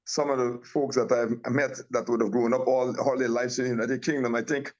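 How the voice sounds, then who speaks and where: A man's voice: mid-range voice, level tone, fairly quick, dull audio. A man from Guyana, a tea company owner, talking casually as an interview guest over a remote call, rambling with many restarts and fillers.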